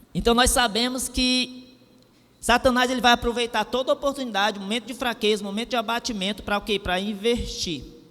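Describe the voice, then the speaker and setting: A man's raised, projected voice at an extremely high pitch, fairly quick in pace with fairly even intonation. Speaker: deacon preaching. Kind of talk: sermon.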